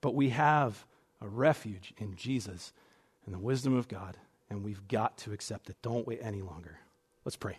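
The delivery is somewhat breathy at a moderate pace, with long, frequent pauses and big swings in loudness. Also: man, fairly low pitch for a man, ordinary pitch variation. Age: 40s. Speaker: pastor. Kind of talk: sermon. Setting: church.

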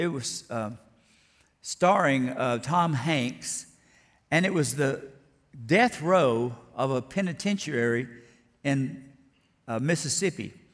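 With a Texan accent and a fairly high pitch, a man speaks at a very slow pace with long, frequent pauses. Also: lively intonation. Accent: Texan Southern US. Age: 60s. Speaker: pastor. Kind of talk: sermon. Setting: church.

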